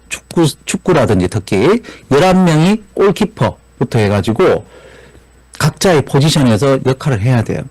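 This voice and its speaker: At a business seminar, a man with a medium-pitched voice gives an animated lecture, peppering it with rhetorical questions and the repeated tag "그죠?". The recording is dry and rough.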